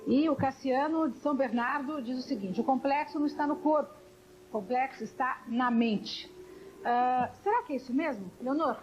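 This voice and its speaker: A woman hosting a TV talk show in a studio, brisk and attentive as she steers the conversation. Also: high-pitched, a little hiss or hum. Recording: dull broadcast audio.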